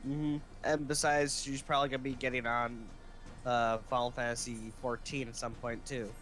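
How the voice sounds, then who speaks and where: A man's voice: medium pitch, little pitch movement, normal speed, fairly bright tone, faint music behind. A man chatting casually as a fellow player on a game stream. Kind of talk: casual chat.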